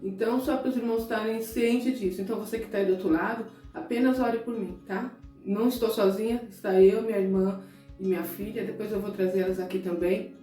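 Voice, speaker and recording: A woman's voice: mid-range voice, steady tone, fairly quick. A middle-aged woman preacher from Brazil giving an emotional sermon-style talk, speaking straight to her viewers and at times close to tears. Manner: conversational, addresses listeners directly. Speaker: evangelical preacher. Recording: echoey room, distant mic, soft guitar music.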